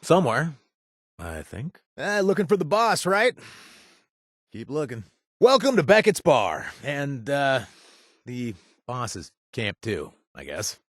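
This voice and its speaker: A husky, wisecracking ex-raider barkeep. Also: male voice, medium pitch, wildly swooping pitch, slow pace, long pauses, dry recording, studio quality, heavily acted. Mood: wry. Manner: sarcastic, rambling with nervous fillers. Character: wisecracking male ex-raider bartender, jaded. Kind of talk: video game voice acting. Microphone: close studio mic.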